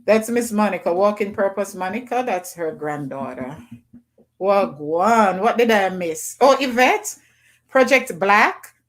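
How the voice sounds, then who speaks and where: A woman's voice: mid-range voice, expressive, moderate pace. A woman hosting a casual livestream call-in, chatting loosely and greeting viewers by name. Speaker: livestream host.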